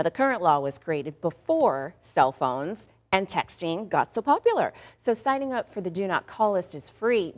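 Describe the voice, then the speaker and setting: A woman with a slightly low-pitched voice anchors the morning news. She moves between reading stories and playful asides, talking directly to the audience in a conversational way. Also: a little mellow. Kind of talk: news reading with casual banter.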